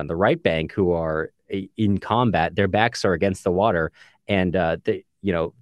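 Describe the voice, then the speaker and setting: A man's voice: lowish voice, no echo, studio quality. A man co-hosting a casual book discussion podcast, explaining in a discursive way with many asides. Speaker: podcast co-host. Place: recording booth.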